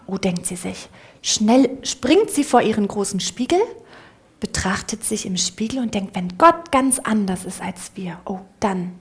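A woman telling a children's story in church, lively and often dropping to a hushed whisper. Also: a little high.

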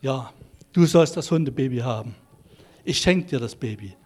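A man's voice: medium pitch, animated, moderate pace, a little mellow, pitched below the performer's own voice, close to an everyday voice. A man voicing a well-meaning middle-aged pet shop owner, speaking kindly and persuasively in a sermon story. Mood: moved.

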